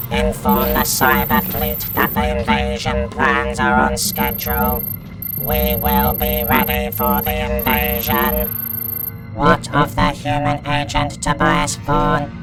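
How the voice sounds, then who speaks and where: A man voicing cold, emotionless cyborg invaders in a science-fiction audio drama, giving clipped, monotone orders through robotic processing. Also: medium pitch, creaky, full character voice, low-quality recording.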